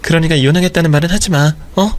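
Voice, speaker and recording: A man's voice: a little high, very fast, close to an everyday voice. A man playing a defensive young wife who stammers and pleads with her husband. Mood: pleading. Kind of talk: audio drama storytelling.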